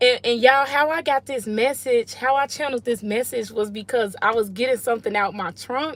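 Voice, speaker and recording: Talking at a fairly quick pace with hardly any pauses, a woman uses a high pitch with ordinary pitch variation. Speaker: tarot reader. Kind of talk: casual tarot reading livestream. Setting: outdoors.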